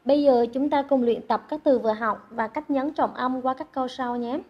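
A woman teaching English online, encouraging, repeating words slowly for learners, recorded close to the mic. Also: high-pitched, steady tone, highs cut off. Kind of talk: online classroom lesson.

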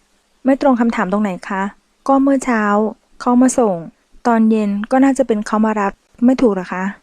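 A woman's voice: a little high, a little mellow, dry recording, close to an everyday voice. A woman voicing a shy, polite young woman who speaks hesitantly and drags out her words. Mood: timid polite. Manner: hesitant, polite, drawn-out phrasing.

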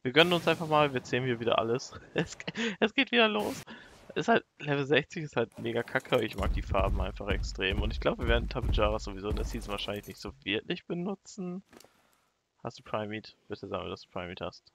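A young man giving casual, excitable let's play commentary and talking to the animals in his game. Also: mid-range voice, brisk, background noise. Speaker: gaming YouTuber.

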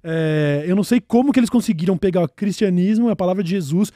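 Brazilian male host, high but mellow voice, dry close mic, blunt sarcastic banter. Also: quick pace, dry recording. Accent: Brazilian Portuguese. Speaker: podcast host. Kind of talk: casual comedic commentary.

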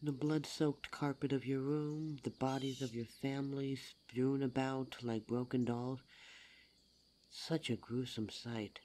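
A performer voicing a suave, teasing demon lover in an intimate ASMR roleplay audio drama, smooth-talking and formal in address. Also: medium pitch, steady tone, takes it slowly, darkish tone, a little hiss or hum, close to an everyday voice. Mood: soothing, intimate.

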